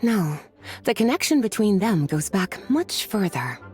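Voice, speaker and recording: A woman voicing a relaxed adult woman mage who teases fondly, in a video game. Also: mid-range voice, a little slow. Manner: languid, affectionately teasing. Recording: game audio with faint music.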